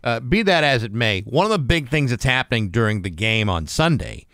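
A man's voice: mid-range voice, very animated, brisk, fairly bright tone, dry recording, clean studio sound. A male morning radio host chatting easily with a guest and reading station breaks and promos. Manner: easygoing, chuckling, reads station IDs and promos. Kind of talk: casual morning radio chat.

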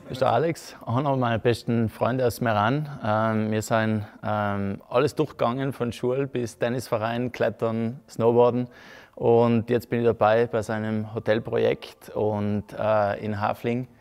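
Man in his thirties, gravelly, flat, hesitant. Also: mid-range voice, a little slow. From South Tyrol, Italy. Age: 30s. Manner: hesitant, many restarts and fillers. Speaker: guest. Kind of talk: casual interview chat. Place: rustic hotel lounge with fireplace.

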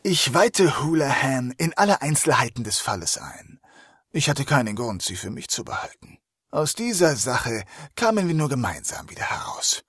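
An actor playing a dry, cautious police detective in a German crime audio drama, wry and understated. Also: male voice, medium pitch, big pitch swings, moderate pace, a bit bright, husky, no room sound. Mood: sober narration. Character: dry, cautious male police detective inspector narrating his case. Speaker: lead actor and narrator.

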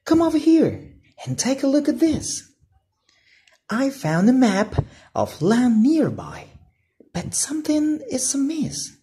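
A woman voicing an excited, adventurous young boy explorer in a storybook, with hushed, urgent eagerness. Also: sits high, slow pace, long pauses, voice pushed up, full character voice. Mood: excited, secretive.

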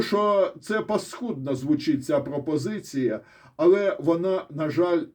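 Man, Ukrainian accent, casual solo commentary, sarcastic and blunt, swears, mellow tone. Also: fairly high pitch. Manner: restarts and pointing asides. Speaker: military-political commentator.

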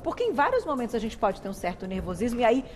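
Woman, Brazilian accent, middle-aged, TV talk show host, chatty, emotional storytelling, slightly high voice. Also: very animated, fast talker, darkish tone, slight background noise. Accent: Brazilian Portuguese.

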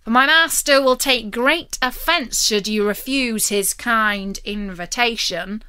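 A woman's voice: a little high, takes it slowly, sharp tone, clear, resonant tone. A woman voicing a huge, fearless, loyal male outlaw henchman in a storybook, hearty and bold. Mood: hearty, insistent. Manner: hearty, calling out boldly.

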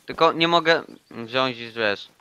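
A young man chatting casually and excitably while playing a hunting game with a friend. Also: mid-range voice, a little slow, clear, resonant tone, dry recording, lo-fi sound. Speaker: gaming YouTuber. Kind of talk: casual co-op gameplay chat.

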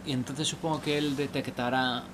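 A young male vlogger with a mid-range voice offers casual advice at a normal speed and in a flat delivery, rambling, hesitating, and restarting often. He's outdoors at night under a station shelter, and the recording is noisy.

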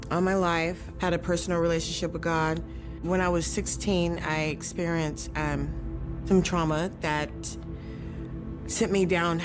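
A woman in her forties telling her testimony in a deliberate way. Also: fairly low pitch. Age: 40s. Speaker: testimony speaker.

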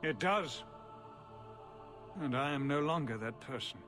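An older man, an actor playing a weary, grieving ruler, speaking slowly and solemnly in a dramatic game cutscene. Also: mid-range voice, music in the background, close to an everyday voice. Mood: grieving, defeated. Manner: slow, halting, solemn. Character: grieving, weary older male nobleman ruler who lost his son.

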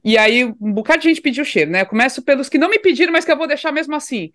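A woman's voice: high voice, animated, racing, fairly bright tone. Chatty woman host. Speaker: podcast co-host. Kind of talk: casual podcast chat.

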